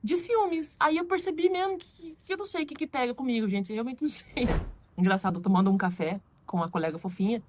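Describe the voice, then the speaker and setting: Woman, Brazilian Portuguese accent, casual storytelling vlog, animated delivery, rapid pace. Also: on the high side. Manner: animated, acts out quoted voices. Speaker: vlogger.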